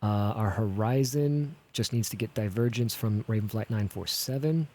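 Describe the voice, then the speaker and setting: A man's voice: on the low side, normal speed, a little mellow. A man streaming an air traffic control simulator, thinking aloud casually in running commentary full of radio-style jargon. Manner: casual, thinking aloud, swearing now and then. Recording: clear background noise, keyboard clicking and typing. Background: keyboard typing and clicks.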